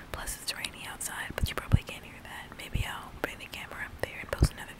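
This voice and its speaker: A woman whispers. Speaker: ASMR creator. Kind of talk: ASMR soft-spoken gift wrapping. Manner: soft-spoken, whispered. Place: home room. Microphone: phone near.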